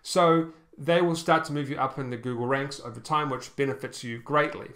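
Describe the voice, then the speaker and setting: A man reviewing an online store over a screen share, casual and halting, with many ums and restarts, often checking in with "okay?". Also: mid-range voice, steady tone, fairly bright tone.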